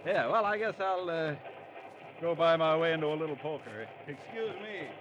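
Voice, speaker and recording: A chummy, nosy man on a train as a male actor plays him, with a highish voice and a jocular manner. It is a dull old radio recording with faint noise behind. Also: animated, moderate pace, natural voice. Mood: sheepish. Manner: jocular, over-familiar, stammers when rebuffed. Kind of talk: 1940s radio acting.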